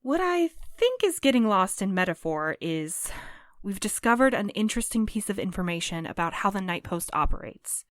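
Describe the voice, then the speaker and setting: A woman's voice: medium pitch, lively intonation, moderate pace, no echo, clean studio sound, close to an everyday voice. A woman playing a diplomatic, level-headed courier in an audio drama, speaking in a careful, placating way. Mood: earnest.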